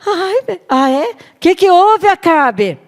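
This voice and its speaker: A woman's voice: very high voice, very animated, slow, pitched above the performer's own voice, full character voice. A woman with a Brazilian accent voicing a domineering, impatient biblical queen. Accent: Brazilian Portuguese. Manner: bossy, impatient, commanding.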